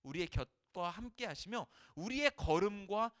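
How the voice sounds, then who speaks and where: A young man, a junior pastor, preaching a sermon in lively storytelling style, acting out the dialogue in casual voices. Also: high voice, normal speed, clear, resonant tone, no room sound, clean studio sound.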